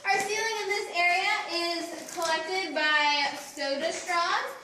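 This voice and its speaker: A woman's voice: very high voice, takes it slowly, pushed and bright, a little hiss or hum. A woman working as a cave tour guide, talking instructively and familiarly to her group with cave echo around her voice. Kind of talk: guided tour talk with quiz questions to visitors. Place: inside an echoey show cave. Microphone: camera mic at a distance. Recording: echoing cave, distant mic, chattering visitors.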